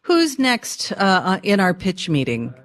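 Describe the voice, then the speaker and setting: A woman co-hosting a live call-in radio show, brisk and upbeat as she keeps the segments moving. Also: mid-range voice, huge pitch swings. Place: radio performance studio.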